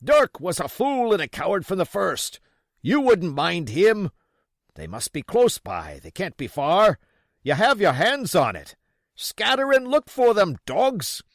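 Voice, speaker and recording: Male reader as blind pirate villain, high shouted delivery, domineering, cursing, impatient, storybook menace. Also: sing-song, a little slow, no room sound, studio quality, exaggerated voice. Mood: furious contempt. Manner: shouting, cursing, barking orders. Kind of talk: audiobook character voice.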